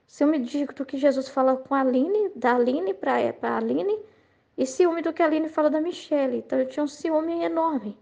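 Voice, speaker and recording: A Brazilian woman in a Catholic prayer group giving an emotional personal testimony, confessional and halting, often repeating words and adding "né?". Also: high-pitched, vocal fry, a little mellow. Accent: Brazilian Portuguese.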